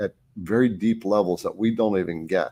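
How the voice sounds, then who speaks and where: A man's fairly low-pitched voice, an unremarkable speaking voice at a moderate pace with fairly even intonation, on a very clean recording with a silent background. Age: 60s. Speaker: CNC woodworking YouTuber. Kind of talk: live stream Q&A. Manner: casual, with fillers and repetitions.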